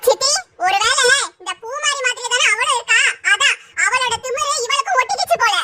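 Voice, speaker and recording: A woman's voice: very high-pitched, lively intonation, a little fast. A woman voicing a sarcastic young cousin. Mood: taunting. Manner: sarcastic, blunt, taunting. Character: sharp-tongued young woman, cousin Aishu. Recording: loud background noise.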